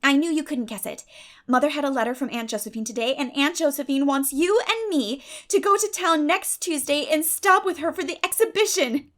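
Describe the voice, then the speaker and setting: A woman voicing a lively, blunt young girl in an audiobook, eager and emphatic. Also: sits high, fairly quick, pitched above the performer's own voice. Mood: indignant, excited. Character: lively young girl, excited bearer of news, bluntly indignant. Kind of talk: dramatic audiobook character reading.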